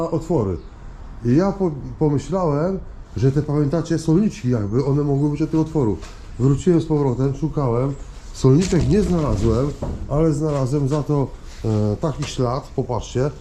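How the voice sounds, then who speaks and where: A man giving casual, rambling vlog commentary, halting and repeating himself as he addresses viewers. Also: medium pitch, mellow, slight background noise. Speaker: vlogger showing finds from discarded junk.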